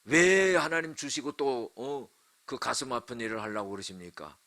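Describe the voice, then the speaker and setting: A man's voice: medium pitch, animated, moderate pace, pushed and bright, voice pushed up. A male pastor voicing the old father Abraham, pleading with God in anguish during a sermon story. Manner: pleading, emotional.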